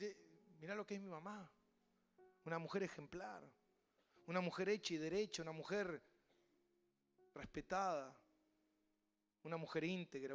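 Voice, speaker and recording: A pastor with an Argentine Spanish accent preaches a passionate sermon, mimicking voices and building up to loud cries. His voice is on the high side.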